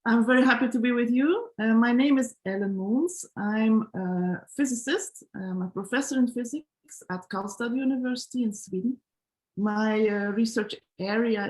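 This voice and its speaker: A woman's voice: a little high, a little mellow, poor audio. A woman from Belgium, a physics professor, introducing herself politely on an online panel. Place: video call.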